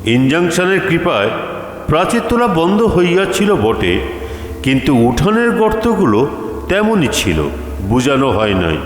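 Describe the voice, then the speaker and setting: A man narrating a literary story dramatically, in measured phrases with pauses between them. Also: on the high side, a little hiss or hum. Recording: echoey hall with long reverb. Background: faint music.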